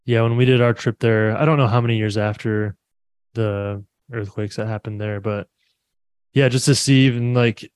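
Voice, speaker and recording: A man's voice: lowish voice, fairly even intonation, normal speed, clean tone, dry recording, studio quality. A man hosting a podcast, talking in an easygoing, chatty way and laughing often. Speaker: podcast host. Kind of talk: casual interview chat.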